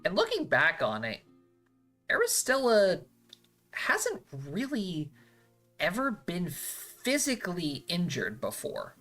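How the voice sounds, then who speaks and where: A man's voice: high voice, wildly swooping pitch, slow, bright, forceful tone, faint music behind. A man narrating a tabletop role-playing game as game master, casual and full of fillers and restarts as he thinks aloud.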